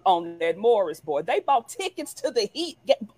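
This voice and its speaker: A woman's voice: mid-range voice, big pitch swings, normal speed, mellow, slightly rough, no echo. A woman co-hosts a casual sports talk show. She talks emphatically, laughing and stretching words out for effect. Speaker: co-host.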